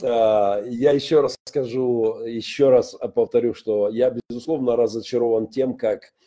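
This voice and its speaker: Pastor guy from ukraine doing his weekly rant, kinda husky mellow voice, lots of uhs. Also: medium pitch, fairly even intonation, a little slow. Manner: frequent "э" hesitations, emphatic rises. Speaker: pastor and commentator. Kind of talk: solo opinion broadcast.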